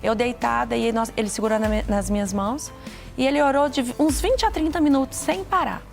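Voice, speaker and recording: A middle-aged Brazilian woman tells her testimony in an earnest, halting way, often restarting her sentences. Her voice sits a little high and has a gravelly edge. Soft music plays underneath. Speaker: guest giving a testimony. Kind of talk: emotional personal testimony.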